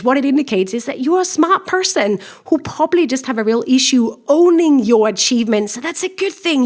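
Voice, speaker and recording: A woman in her forties from Denmark with a Danish accent, a career coach hosting her own podcast and talking straight to the listener in a lively, encouraging way. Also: fairly high pitch. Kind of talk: solo podcast monologue.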